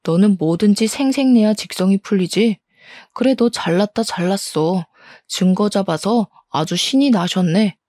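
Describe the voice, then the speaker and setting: A woman's voice: medium pitch, moderate pace, mellow, dry recording, clean studio sound, lightly acted. A woman voicing an angry cheating husband who blusters, scoffs and shifts the blame. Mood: defensive. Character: angry, defensive cheating husband in his thirties. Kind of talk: audio story dramatization.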